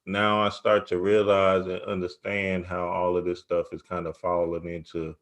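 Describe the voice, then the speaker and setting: A man's voice: deep voice, monotone, moderate pace. A man hosting a casual spiritual interview, speaking in an informal, slangy way. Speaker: interviewer and show host.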